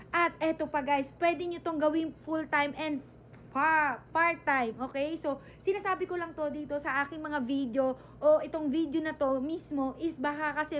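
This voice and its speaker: A woman's voice: sits high, a bit bright, highs cut off, slight background noise. A young woman, a family vlogger talking casually to her viewers, chatty and often laughing. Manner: chatty, laughing, coaxing the kids. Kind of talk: casual family vlog and direct-to-camera pitch.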